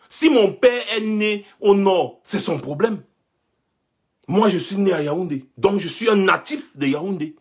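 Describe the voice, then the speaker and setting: Young Cameroonian man, high husky voice, insistent rhetorical commentator. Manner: rhetorical and insistent, repeats his points. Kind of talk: impassioned monologue.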